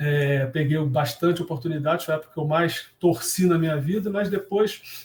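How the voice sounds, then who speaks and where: A man speaks at a moderate pace, his high voice moving with ordinary pitch variation. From Rio de Janeiro, Brazil. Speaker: engineer and consulting director. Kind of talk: podcast interview. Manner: casual, hesitant with many fillers.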